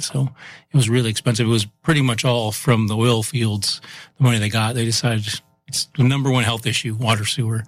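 Guy who runs the water crews, chatting in an interview, easygoing, keeps saying "yep" and "so", middle pitch. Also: a bit bright. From Massachusetts, US. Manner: plainspoken, trails off with "so" and "yep". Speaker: utilities chief of operations. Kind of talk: casual interview.

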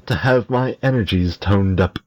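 A man voicing a lazy, languid young man who speaks slowly and listlessly, with a husky voice. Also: lowish voice, a little mellow, highs cut off, natural voice. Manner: slow, listless.

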